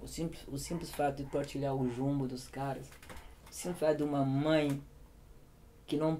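Over light background noise, a man speaks in a fairly high, dark and mellow voice with monotone, flat intonation. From Cape Verde. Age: 30s. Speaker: priest and missionary. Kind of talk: casual interview conversation. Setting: bedroom, recorded with equipment. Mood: reflective, calm. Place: home room.

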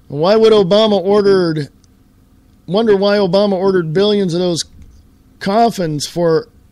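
Long, frequent pauses break up a man's high-pitched voice. He keeps a moderate pace, and his tone is dark and mellow. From California. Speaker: political talk radio host. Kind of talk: political talk show monologue. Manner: animated.

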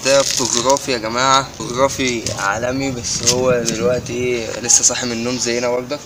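Speech at a moderate pace with noticeable background noise. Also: man. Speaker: vlogger. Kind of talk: casual vlog chat. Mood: cheerful, relaxed. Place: street. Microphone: phone near.

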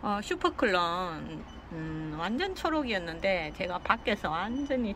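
A woman speaks at a fairly slow pace with lively intonation. Light background noise sits behind her. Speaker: succulent gardening YouTuber. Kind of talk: casual gardening vlog narration; casual vlog chat. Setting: at an open veranda window at home. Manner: friendly, frequent laughs and fillers. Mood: warm, pleased. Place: home room. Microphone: phone near.

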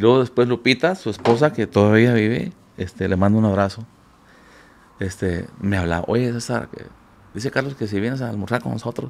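A man talking at a fairly quick clip, broken by long and frequent pauses, with ordinary pitch movement over light background noise. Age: 60s. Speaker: singer; interview guest. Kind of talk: interview. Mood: warm, animated storytelling. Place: studio. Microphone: studio mic.

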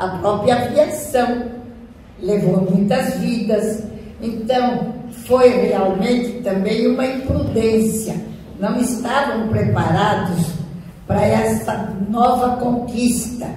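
In strong room echo with light background noise, a woman speaks very slowly with fairly even intonation. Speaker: panelist. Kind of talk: panel discussion answer. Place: hall. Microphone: podium.

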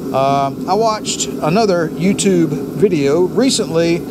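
Loud background noise surrounds a man as he talks. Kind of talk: tutorial. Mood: relaxed, curious. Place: garage.

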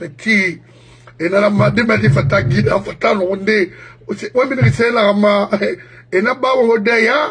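A man talks in a high pitch with an animated tone and lively intonation. His pace is fairly slow, with long, frequent pauses. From Guinea. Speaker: political activist; commentator. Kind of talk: political rant. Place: home room. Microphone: phone near.

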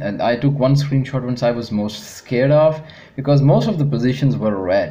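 A man talks at a moderate pace with lively intonation. His tone is dark and mellow. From Pakistan. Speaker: retail trader giving testimonial. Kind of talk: testimonial walkthrough of a screen demo.

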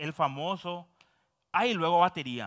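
Against a quiet background, a man speaks very slowly at a high pitch. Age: 30s. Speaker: session drummer. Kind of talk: live-stream talk and demo. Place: stage. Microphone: headset.

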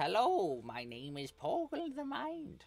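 The put-on character voice sits at a fairly high pitch and moves at a fairly slow pace. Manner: ponderous, talks in third person.

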